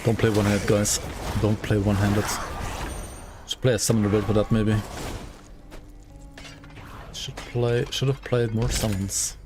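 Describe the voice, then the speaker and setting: A man streaming a game, chatting loosely in a relaxed, rambling way with lots of filler words. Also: on the low side, measured pace, pauses often, music in the background. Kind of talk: casual gameplay commentary.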